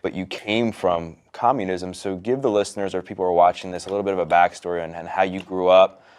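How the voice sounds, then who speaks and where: A man's voice: low voice, fairly even intonation, fast, darkish tone, smooth. A man hosting a podcast, introducing his guest in a blunt, casual way with some swearing. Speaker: podcast host. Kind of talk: casual interview.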